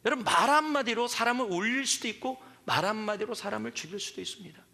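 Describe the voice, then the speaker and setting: A pastor in his forties delivers a sermon in a church sanctuary. His voice sits high and sounds sharply bright. He brings stories to life by acting out the people he quotes, and the long hall reverb trails after his words. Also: animated, quick pace, creaky. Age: 40s.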